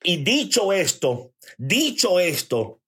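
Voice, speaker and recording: A man preaching a sermon, emphatic, repeating phrases for stress and turning to his listeners with quick "okay?" check-ins. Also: high-pitched, very animated, a bit bright, slightly rough. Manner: addresses listeners directly, checks in with "ok?".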